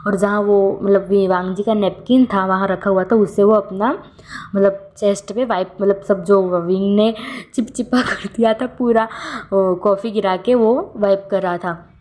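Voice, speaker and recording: A woman narrating a romance fan story in a casual way, halting with fillers and self-corrections, stammering when voicing the nervous secretary. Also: mid-range voice, fairly even intonation, darkish tone.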